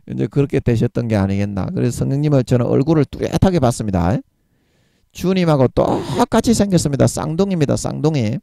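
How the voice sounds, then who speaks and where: Male preacher, emphatic and repetitive, warm and animated. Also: medium pitch, fairly quick, creaky, no room sound. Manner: repeats key words for emphasis, chuckles between points. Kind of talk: sermon.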